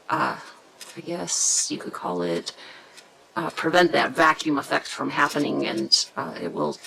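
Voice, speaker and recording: A woman hosting a casual craft tutorial, chatty and hesitant, often pausing to search for words. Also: low voice, vocal fry, sharp tone, a little hiss or hum, low-quality recording. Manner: chatty, self-deprecating about pronunciation.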